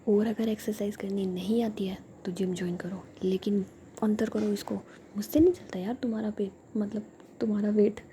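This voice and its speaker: A woman's voice: mid-range voice, fairly even intonation, normal speed, a little hiss or hum, lightly acted. Roohi, a teasing young woman, whispered by a female storyteller. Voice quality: soft whisper.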